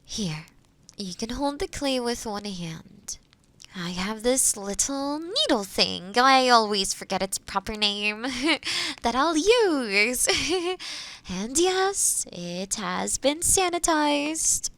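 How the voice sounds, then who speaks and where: A woman playing a kind, gentle forest witch in a roleplay audio, explaining potion work softly and caringly to the listener. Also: fairly high pitch, sing-song, slow, dry recording, full character voice. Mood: reassuring. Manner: soft, caring, hesitant, explaining patiently.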